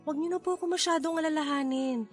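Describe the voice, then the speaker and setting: An earnest young Filipino daughter and working student , played by a woman in a radio drama. Her voice sits high and sincere, with soft music underneath. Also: fast talker, close to an everyday voice. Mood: earnest, reassuring. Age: young adult.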